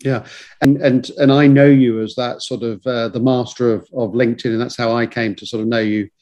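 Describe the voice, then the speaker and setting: A man's voice: mid-range voice, fairly even intonation, fairly quick, a little mellow. A man hosting a podcast interview, asking questions with hesitant starts and repeated words. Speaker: podcast host.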